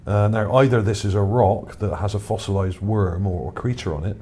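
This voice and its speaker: With a lowish, dark-toned voice and a brisk pace, a video narrator thinks aloud about images he found. The commentary is casual and unscripted, hesitant in feel, and background noise can be heard.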